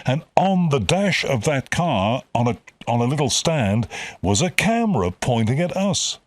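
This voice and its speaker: A man's voice: medium pitch, very animated, measured pace, no room sound. A man hosting a casual interview, eager and repeating words as he talks. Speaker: interview host.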